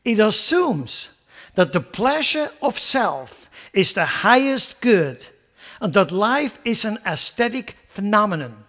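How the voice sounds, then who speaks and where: High-voiced man preaching a sermon. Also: big pitch swings, slow, a bit bright. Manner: impassioned, repeats words while building emphasis. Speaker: pastor.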